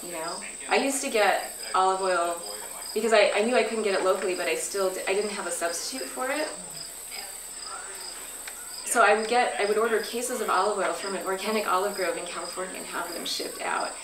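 A woman's voice: medium pitch, fairly quick, a crowd in the background. A woman in her thirties teaching a workshop at a flip chart, asking the group questions as she goes. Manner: friendly, asks the group questions. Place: outdoor pavilion, standing at a flip chart. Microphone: far camera. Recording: roomy, distant camera audio with noise. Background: insects and crickets.

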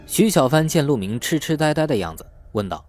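A man's voice: on the high side, very animated, a little fast, darkish tone, no room sound, soft background music. A man narrating a novel in a scripted audiobook style.

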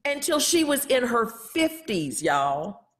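Lively woman hosting a video call. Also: fairly high pitch, slow, a little hiss or hum. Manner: lively, exclamatory, talks to guests directly. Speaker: host. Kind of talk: casual video call chat. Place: home room with bookshelves.

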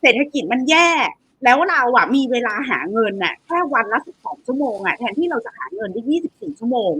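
A woman's voice: sits high, lively intonation, fast, bright, forceful tone, husky. A woman co-hosting a casual talk show, who asks questions and adds her own points in a chatty way.

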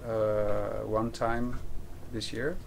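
Low, creaky-voiced man recounting experiences. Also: flat delivery, very slow. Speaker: interview guest, experienced solo sailor. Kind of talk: unscripted interview storytelling. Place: outdoors in a sailboat cockpit at anchor. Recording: noisy outdoor ambience.

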